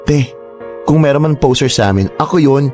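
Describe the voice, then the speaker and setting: A man's voice: on the high side, fairly quick, a little mellow, faint music behind, close to an everyday voice. A man playing a flamboyant, scheming young gay man who is boastful and playful, with a campy, teasing, theatrical delivery. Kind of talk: radio drama acting.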